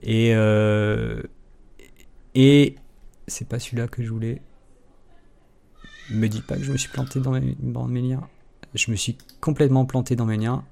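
A man talking through a science explanation on a live stream, in a voice of ordinary middle pitch. He stops and restarts his sentences often and corrects himself as he goes. He keeps things informal and pokes fun at himself. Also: flat delivery, creaky, dark tone. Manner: halting, with many restarts and self-corrections; informal and self-mocking. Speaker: science educator.

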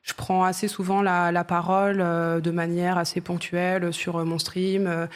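A woman, a streamer and activist, answering as a guest on a talk show with frequent fillers and pauses. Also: lowish voice, level tone. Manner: hesitant, many fillers.

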